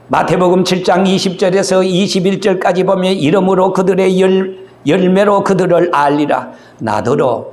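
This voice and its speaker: A male pastor preaching a sermon, dramatic and emphatic, swinging between loud and soft. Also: sits high, echoey room.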